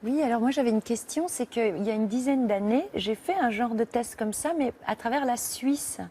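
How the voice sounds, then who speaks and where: A woman in a TV studio asking a question, halting and searching for words. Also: fairly high pitch, dark tone, slight background noise. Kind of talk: casual question on TV. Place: TV studio set.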